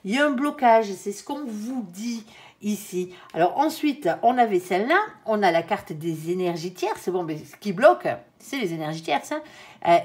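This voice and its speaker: A woman's voice: medium pitch, darkish tone. A tired woman giving a casual tarot reading, chatty with many fillers and some stumbling. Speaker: tarot reader.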